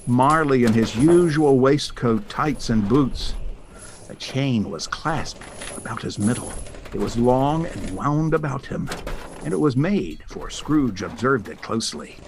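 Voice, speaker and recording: A man narrating a scripted story for an audio drama in a theatrical, deliberate storytelling manner. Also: mid-range voice, animated, background noise.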